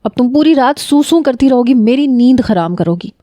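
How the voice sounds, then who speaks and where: A woman's voice: high voice, expressive, dark tone, no room sound. A woman voicing an irritable, tired young husband who scolds his wife in short, curt lines. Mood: irritated.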